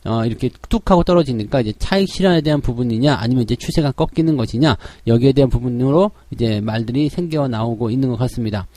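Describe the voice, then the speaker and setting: A man with a slightly hoarse voice giving a daily stock market briefing, explaining each point step by step. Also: mid-range voice, mellow, dry recording. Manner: explanatory, frequent "자" openers.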